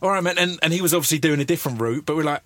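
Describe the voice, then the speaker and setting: A man's voice: a little high, rapid-fire, a bit bright, no echo. A man hosting a casual chat, easygoing, stumbling over words and laughing along. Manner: easygoing, many restarts and stammers, laughs along.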